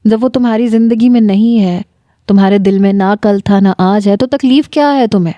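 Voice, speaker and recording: A woman's voice: mid-range voice, dark tone, no echo, natural voice. A woman voicing a demanding, suspicious young husband who scolds his wife in a narrated story. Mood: angry, demanding.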